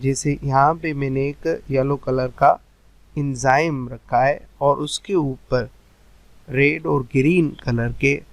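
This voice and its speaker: A man teaching a biology lecture, mixing Hindi-with slowly read English textbook lines and answering his own questions. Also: medium pitch, fairly even intonation, no room sound, rough recording. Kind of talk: recorded lecture over animations.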